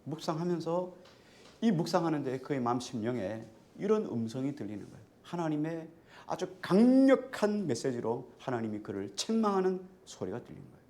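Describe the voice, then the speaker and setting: A man's voice: on the high side, big pitch swings, fairly quick, warm tone. A male pastor giving a sermon in a conversational way, often putting questions to the congregation.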